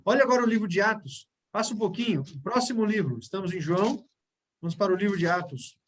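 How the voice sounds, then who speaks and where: A man's voice: high-pitched, lively intonation, fast, slight background noise. A man with a Brazilian Portuguese accent teaching a Bible study, explaining step by step and often checking in with his listeners.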